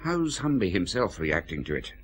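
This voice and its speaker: An actor playing a weary, sardonic senior police chief in a radio drama, grumbling with dry authority. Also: male voice, sits low, sing-song, normal speed. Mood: stern. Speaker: head of CID, senior police officer.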